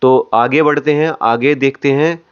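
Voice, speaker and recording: A man's voice: medium pitch, fairly even intonation, unhurried, clear, resonant tone. Male acting coach, dull lo-fi recording. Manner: repeats and rephrases phrases. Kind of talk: instructional explanation to camera. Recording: dull lo-fi audio.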